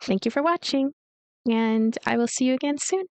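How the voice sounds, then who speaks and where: A woman with a fairly high voice narrates a visual novel for a let's play, mixing read-aloud story with casual commentary. Game music plays behind her. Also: moderate pace, a little mellow, clear, resonant tone, dry recording.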